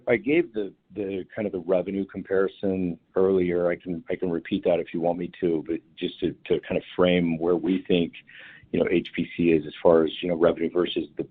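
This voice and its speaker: Deep husky man on a phone line. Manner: halting, many restarts and fillers. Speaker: company executive answering analyst questions. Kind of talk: earnings call answer.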